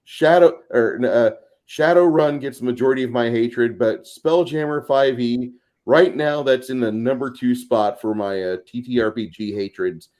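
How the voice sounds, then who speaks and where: A man's voice: medium pitch, normal speed, a little mellow. A man talking casually and emphatically as an opinionated, salty-tongued panelist on a tabletop gaming show. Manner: foul-mouthed, emphatic. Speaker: podcast panelist.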